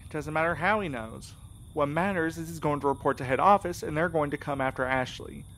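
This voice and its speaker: An actor playing a wry, skeptical courier in an audio drama, with a casual way of talking. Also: male voice, fairly high pitch, brisk, a bit bright, slight background noise, close to an everyday voice. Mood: worried. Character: wry, skeptical male courier, anxious devoted husband.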